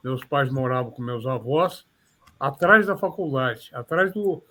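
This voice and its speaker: An older man from São Paulo with a São Paulo Portuguese accent, a criminal defense lawyer recalling his career in measured, formal interview answers. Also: mid-range voice, expressive, bright, forceful tone. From São Paulo, Brazil. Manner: measured, formal, slightly florid phrasing.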